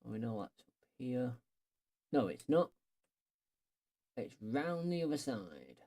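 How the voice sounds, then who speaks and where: A man with a relaxed, mellow voice at an average pitch. He commentates his own game casually, muttering his thoughts aloud in short, offhand remarks. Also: slow pace. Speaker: streamer playing an air traffic control game.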